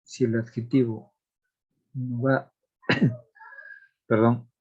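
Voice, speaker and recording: A man teaching a grammar lesson, explaining rules slowly and deliberately, reading out examples and checking in with the class. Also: mid-range voice, level tone, slightly rough, muffled recording. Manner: asks checking questions of the class.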